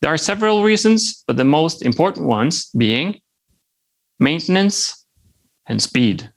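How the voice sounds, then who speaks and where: Gravelly-voiced Norwegian man presenting. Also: a little high, animated, a little slow. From Norway. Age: 30s. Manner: friendly, lightly humorous, occasional restarts. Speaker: software developer presenting. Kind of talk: conference presentation.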